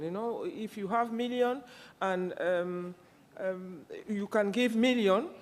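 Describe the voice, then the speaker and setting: A woman from Cameroon speaking up as a panelist. She pauses often, restarts and fills gaps with "uh". Her voice carries a long reverb, as if recorded in a large room. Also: medium pitch. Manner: hesitant, many fillers and restarts. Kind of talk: panel discussion remarks.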